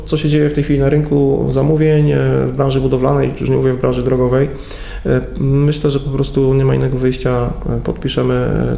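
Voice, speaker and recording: A man in his forties, a county head, answering in a local TV studio interview, measured and full of hesitations. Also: medium pitch, creaky, warm tone, a little hiss or hum. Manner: measured, hesitant with many fillers. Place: TV studio at a table. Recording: echoey studio room.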